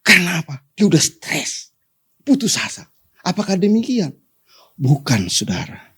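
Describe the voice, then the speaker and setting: A pastor preaching to his congregation, often calling for amen, rising to sudden high emphatic peaks and dropping to soft endings. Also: sing-song, unhurried, slightly rough. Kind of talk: sermon.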